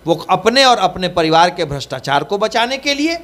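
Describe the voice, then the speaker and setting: High-pitched male spokesperson, rhetorical, punchy, repeats key lines. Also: big pitch swings, normal speed, a bit bright. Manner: emphatic, rhetorical, repeats phrases. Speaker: party spokesperson. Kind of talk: political interview.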